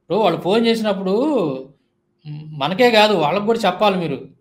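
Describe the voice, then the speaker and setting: A man's voice: high voice, fast. A man giving a heated monologue rebuttal, firing off indignant rhetorical questions. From India. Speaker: Christian YouTube commentator.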